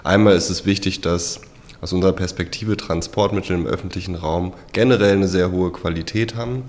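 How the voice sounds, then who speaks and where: A man's voice: sits low, fairly even intonation, fairly quick, a little mellow. A male design researcher explaining a project fluently in an interview. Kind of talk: interview soundbite.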